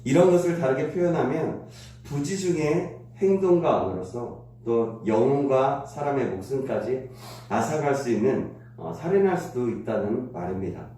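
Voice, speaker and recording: A man preaches at a dawn prayer service, his voice congested and weak, with throat clearing and "uh" pauses in a slow, careful delivery. His tone is dark and mellow. He is recorded from some distance in a very echoey church sanctuary. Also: medium pitch, animated, a little hiss or hum. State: nasal congestion, voice not coming out well. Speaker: pastor. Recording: very echoey room, distant mic.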